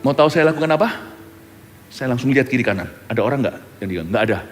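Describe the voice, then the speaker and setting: Male pastor, lively expressive sermon delivery, echoing church hall. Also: very fast, faint music behind. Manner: animated preaching, swinging between loud bursts and hushed low lines. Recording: church hall with long reverb.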